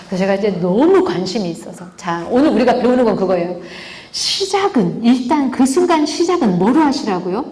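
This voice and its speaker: A woman lecturing a parenting class, lively and talking straight to her listeners, often asking them questions and acting out the quotes she tells. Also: a little high. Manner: lively, asks the audience rhetorical questions; acts out quoted speech in vivid voices. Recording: echoey hall, faint background noise.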